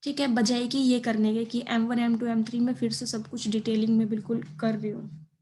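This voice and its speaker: A woman's voice: on the high side, level tone, moderate pace, mellow, slight background noise. A young woman with an Indian accent giving informal study advice as a video presenter, explaining step by step and mixing in English terms. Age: young adult. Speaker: exam preparation video presenter.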